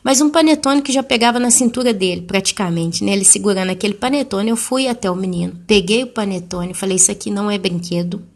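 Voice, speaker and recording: A woman's voice: medium pitch, quick pace, few pauses. A woman in her thirties or forties tells a personal testimony to her congregation, telling the story vividly. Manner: animated, acting out the people she quotes. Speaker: church speaker giving a testimony.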